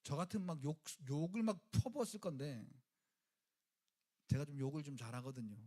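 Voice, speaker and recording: A male pastor preaching a sermon in a colloquial, dramatic way, acting out quoted lines and joking with the congregation. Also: fairly quick. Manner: dramatic, acts out quoted lines with swings in pitch and loudness.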